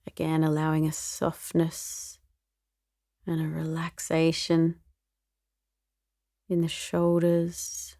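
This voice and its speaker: A woman meditation teacher leading a guided meditation in a soothing, gentle, unhurried way, with a soft voice that turns breathy at times. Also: low-pitched, completely flat delivery, dry recording, studio quality.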